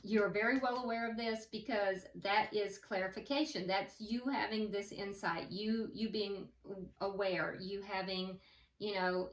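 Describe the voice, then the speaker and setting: A woman's voice: medium pitch, fairly bright tone. Echoey, distant woman fortune teller reading tarot. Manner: hesitant, thinking aloud as cards are read; advising the listener directly. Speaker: tarot reader. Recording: roomy echo, distant from the mic.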